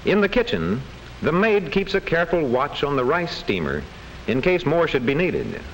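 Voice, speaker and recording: A man's voice: a little high, very animated, moderate pace, slight background noise, poor audio. A man reads scripted narration for a vintage educational classroom film.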